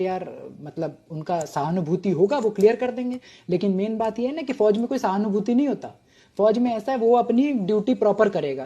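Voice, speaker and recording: A man's voice: high voice, warm tone, muffled recording. A man in his thirties, a retired army officer from Bengal, telling his own story in a chatty, humorous, self-mocking way. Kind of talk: casual storytelling monologue.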